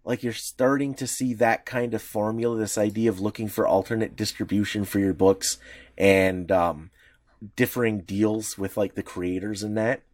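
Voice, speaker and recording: A man co-hosting a podcast, explaining at length and restarting his sentences as he goes. His pitch jumps up now and then, and his voice is close and dry with no room sound. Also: steady tone, normal speed, a little mellow, no room sound. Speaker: podcast co-host. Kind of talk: casual podcast discussion.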